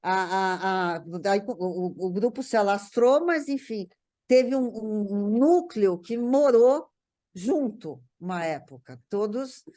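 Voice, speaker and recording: A woman's voice: medium pitch, animated, slow pace, dark tone. An older woman with a São Paulo Brazilian accent, reminiscing casually in conversation and often repeating words as she searches for the next. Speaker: guest recalling a parent's career.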